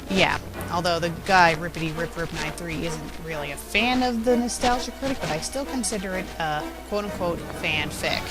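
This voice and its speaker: A woman's voice: on the low side, low-quality recording. A woman hosting a casual, off-the-cuff commentary on her own web show, chatty and openly opinionated. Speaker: web show host and critic.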